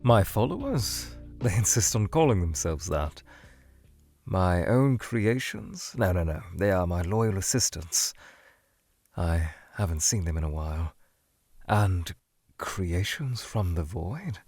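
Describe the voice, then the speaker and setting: A man playing a weary, scholarly monster scientist trapped in a void, speaking in a measured, halting, brooding way that trails off, in a fan audio drama. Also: deep voice, animated, darkish tone, no room sound, faint music behind, full character voice. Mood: uneasy, brooding. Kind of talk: fan audio drama, in-character answers to questions.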